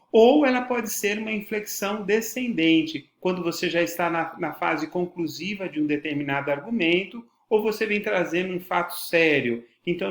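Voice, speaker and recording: A man's voice: high voice, roomy sound. A man with a Brazilian Portuguese accent, a teacher giving a formal, didactic lecture and stressing words for emphasis. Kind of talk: educational lecture on voice and podcasting.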